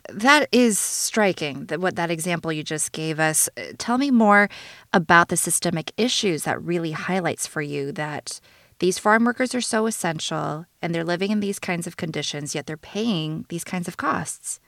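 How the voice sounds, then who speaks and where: A woman from the San Francisco Bay Area interviewing a guest in a measured, inquiring way. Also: fairly low pitch, expressive, a bit bright, dry recording, studio quality. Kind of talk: radio-style interview.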